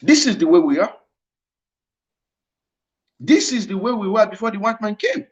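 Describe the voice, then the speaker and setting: His high voice swings widely in pitch while he speaks at a normal speed, giving a fervent livestreamed lecture in a Nigerian Igbo accent and repeating phrases for emphasis. Stream audio is dull and lo-fi.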